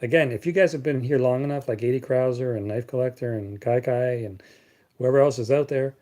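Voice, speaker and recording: A man's voice: medium pitch, a little fast, warm tone. A man from Canada hosting a casual live Q&A chat, blunt and sarcastic, rambling and repeating words as he talks. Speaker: live stream host.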